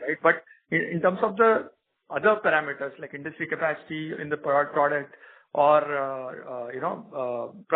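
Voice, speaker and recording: A man asking questions as an analyst on an earnings call, polite and hesitant in his phrasing. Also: on the high side. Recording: tinny narrowband phone line.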